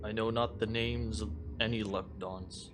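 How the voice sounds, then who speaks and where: A man's voice: on the low side, steady tone, normal speed, faint music behind, close to an everyday voice. A man voicing a stern, suspicious mushroom creature guarding an underground colony, with formal, terse speech, in a tabletop game.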